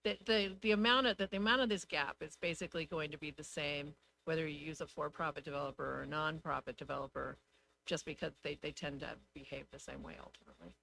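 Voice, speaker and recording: A woman with a crisp, bright tone and noticeable vocal fry advises a public meeting. She explains things in a measured, methodical way, with a faint hum behind her. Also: deep voice, fairly even intonation, poor audio. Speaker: housing development consultant. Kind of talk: informal expert advice at a public meeting.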